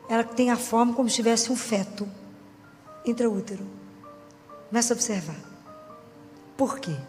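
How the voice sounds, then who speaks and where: A middle-aged woman with a Minas Gerais accent delivers a relaxed, conversational sermon. She keeps asking her listeners whether they agree. Her voice rings through a large hall with a long echo, and soft music plays faintly underneath. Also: a little high. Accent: Minas Gerais Brazilian Portuguese. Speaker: preacher.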